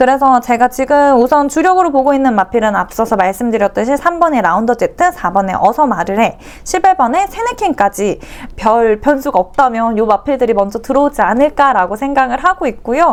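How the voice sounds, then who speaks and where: This woman's high-pitched voice has lively intonation and very even loudness. Noticeable background noise sits behind her. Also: fairly quick pace. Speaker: horse racing tipster. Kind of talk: race preview commentary. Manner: fast.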